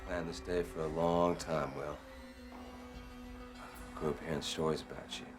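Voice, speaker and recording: A brooding gunman out for revenge in a western film. His low voice is threatening and moves across a very wide range. Clear dramatic music runs behind it. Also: very animated, moderate pace. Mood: cold menace. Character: vengeful, cold male gunman avenging his dead father. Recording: dramatic music under the dialogue.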